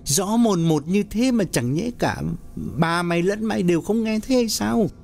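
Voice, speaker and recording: A man's voice: sits high, expressive, moderate pace, vocal fry, a little mellow, voice pushed up. A man playing a frightened, worn-out older husband who speaks wearily and irritably. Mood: weary fearful. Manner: weary, irritable, anxious.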